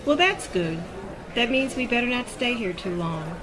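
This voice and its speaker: A woman's voice: on the high side, expressive, moderate pace, close to an everyday voice, rough recording. A woman playing a bubbly, coaxing, mischievous friend in an audio drama. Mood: concerned, coaxing. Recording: busy public background chatter.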